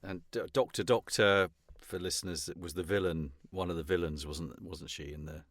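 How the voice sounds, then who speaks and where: A man's voice: low voice, fairly even intonation, moderate pace, fairly bright tone, no room sound, studio quality. A middle-aged man hosting a casual podcast interview, chatting with his guest. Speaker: podcast host and fellow voice actor.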